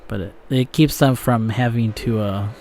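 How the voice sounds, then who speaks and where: A man's voice: lowish voice, normal speed, dark tone, a little hiss or hum. A young man casually commentating a racing game as he plays, rambling with lots of fillers and the odd curse. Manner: rambling with frequent fillers and profanity. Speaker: gaming channel host.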